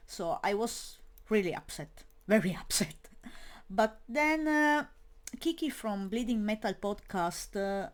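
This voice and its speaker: A woman's voice: medium pitch, lively intonation, unhurried. A young woman speaking English as a second language in a casual monologue, hesitant and full of fillers and restarts. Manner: non-native English speaker. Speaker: metal media creator.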